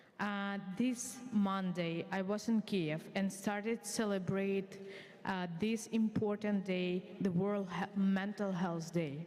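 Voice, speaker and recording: This woman talks at a very slow pace with medium pitch. Her loudness stays very even and her intonation fairly even. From Ukraine. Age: 20s. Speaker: youth organization co-founder. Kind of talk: conference panel talk. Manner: halting.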